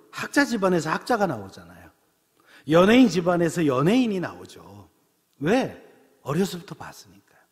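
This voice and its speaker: A middle-aged pastor from Seoul, preaching a sermon in a church in a chatty storytelling way, full of rhetorical questions. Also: male voice, high voice, a little mellow, husky. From Seoul, South Korea. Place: church sanctuary. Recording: long church reverb.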